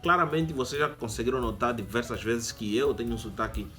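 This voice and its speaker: A man's voice: mid-range voice, fairly quick, sharp tone, soft background music. A young Angolan man with an Angolan Portuguese accent, hosting a channel and explaining casually with asides to viewers. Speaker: YouTube channel host. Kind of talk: casual educational monologue.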